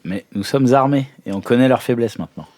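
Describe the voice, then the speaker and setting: A man talks quickly at a medium pitch. He is a player in an improvised role-playing game, and his talk is casual table chat. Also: darkish tone.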